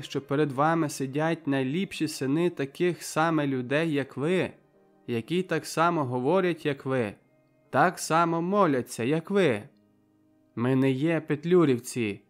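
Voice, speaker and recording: A man voicing a tall young captive soldier who speaks with a sharp, fiery voice in an impassioned speech to a crowd. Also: fairly high pitch, close to an everyday voice. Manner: impassioned pleading speech, raised and loud.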